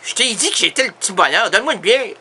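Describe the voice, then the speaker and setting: A man's voice: high-pitched, expressive, fast talker, pushed and bright, slight background noise, heavily acted. Man doing a stubborn tipsy beer-craving guy. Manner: rambling, stammering, insistent. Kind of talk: comedy sketch.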